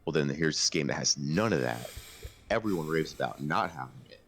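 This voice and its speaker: A man with an exceptionally deep voice chats casually as a podcast co-host. His delivery is gravelly and emphatic, with real enthusiasm for games. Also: lively intonation, fairly quick, fairly bright tone, a little hiss or hum. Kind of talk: casual video game discussion.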